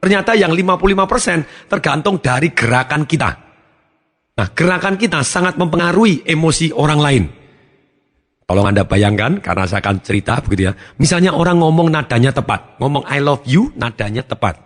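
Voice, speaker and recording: A man's voice: fairly high pitch, animated, a little fast. A man giving a motivational seminar talk, speaking emphatically and acting out different tones of voice to make his points. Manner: emphatic, acts out tones of voice to demonstrate. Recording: long hall reverb, faint music behind.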